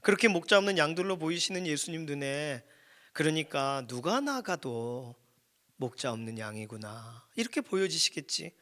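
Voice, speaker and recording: A man's voice: fairly high pitch, animated, moderate pace, pushed and bright. A middle-aged male pastor giving a conversational sermon at a church prayer meeting, asking his listeners questions and acting out the voices he quotes. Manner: conversational, asks the congregation questions.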